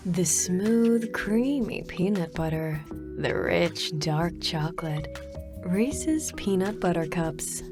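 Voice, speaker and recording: A woman giving polished commercial voice-over reads. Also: mid-range voice. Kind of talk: polished advertising read. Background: music bed.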